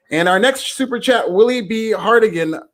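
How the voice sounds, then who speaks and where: A man hosting a wrestling podcast, chatting casually and reading out viewer messages. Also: high-pitched. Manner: quick, agreeable, reads viewer messages. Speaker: podcast host. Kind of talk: casual chat.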